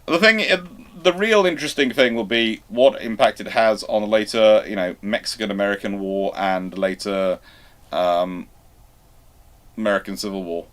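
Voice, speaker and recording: Halting man hosting a live discussion. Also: fairly low pitch. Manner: halting, circling back and rephrasing. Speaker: host of a live history question show. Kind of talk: casual live panel discussion.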